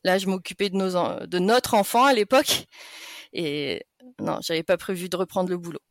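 A woman's voice: on the low side, moderate pace, dry recording. A woman in her late thirties from France, a podcast guest chatting casually and laughing often between sentences. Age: 30s. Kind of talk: casual interview chat.

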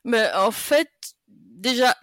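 A woman's voice: on the high side, takes it slowly, no room sound, studio quality. A woman in her late thirties from France, a podcast guest chatting casually and laughing often between sentences. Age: 30s. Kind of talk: casual interview chat.

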